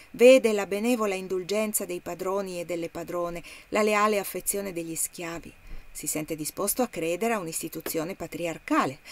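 Woman narrating a classic novel. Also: on the low side. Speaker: audiobook narrator.

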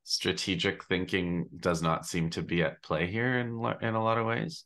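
Low-voiced man thinking aloud on a call. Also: fairly even intonation, normal speed, a bit bright. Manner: thoughtful, searching for words, gestures a lot. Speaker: podcast host and analyst. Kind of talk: casual video-call discussion. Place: home room on a video call.

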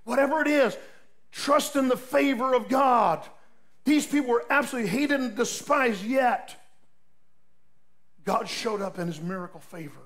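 An older man, a pastor, preaching a sermon in a folksy storytelling way, swinging between loud emphatic peaks and soft asides. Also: extremely high pitch, normal speed, long pauses.

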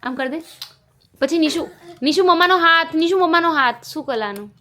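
A woman's voice: very high voice, lively intonation, a little fast, pushed and bright. A young woman who is a mother, chatting playfully at home and coaxing her toddler in a sing-song baby-talk manner. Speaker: mother and family vlogger. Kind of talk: casual family chat with a toddler.

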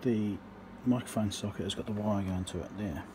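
At a workbench, a man with a fairly low, steady voice talks through an electronics repair at a normal speed. His casual, unscripted commentary is matter-of-fact, thinking aloud in short fragments. The hand-held workshop recording is noisy.

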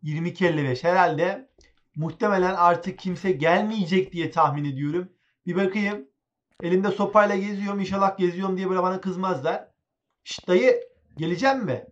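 A man chatting excitably as he plays a game, talking to his viewers and to the game characters. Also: high-pitched, a little fast, lo-fi sound. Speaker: gaming channel host. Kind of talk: casual let's-play commentary.

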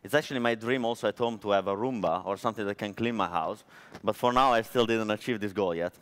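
A man's voice: on the low side, quick pace, a bit bright, clear, resonant tone. A man in his thirties from Italy with an Italian accent, giving a chatty technical conference talk on stage with lots of fillers, on a headset mic. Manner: chatty, storytelling, frequent fillers. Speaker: conference speaker. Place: large conference hall stage.

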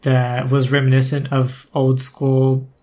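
A man's voice: medium pitch, monotone, takes it slowly, noisy background. Podcast guest, male, conversational, thoughtful, frequent restarts. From Brazil. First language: Portuguese. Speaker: guest, former community manager.

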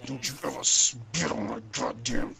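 A man playing a macho, threatening street thug in improvised game role-play, with a gruff, gravelly voice. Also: mid-range voice, steady tone, moderate pace, over music.

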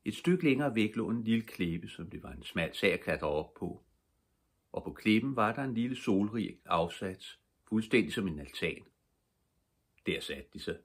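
An older man reading a children's book aloud as a calm, steady bedtime story. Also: on the low side, slightly rough. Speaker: storybook reader.

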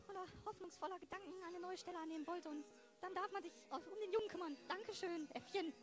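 A woman's voice: very high voice, fast. A woman playing a chirpy, polite housewife with a gushing manner in an improvised audio drama.

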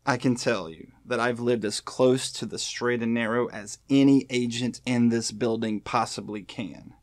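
An actor playing a weary, haunted senior FBI agent in an audio drama, speaking in a grave, halting, pleading way. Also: male voice, medium pitch, fairly even intonation, no room sound, clean studio sound, lightly acted. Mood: earnest, pleading.

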